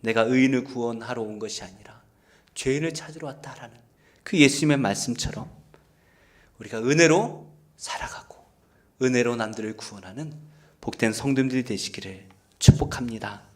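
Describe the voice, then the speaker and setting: A man preaching a Sunday sermon as pastor, in an earnest, pleading way that swings between loud stressed phrases and hushed near-whispers. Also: mid-range voice, normal speed. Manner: earnest, pleading appeals to listeners. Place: church service.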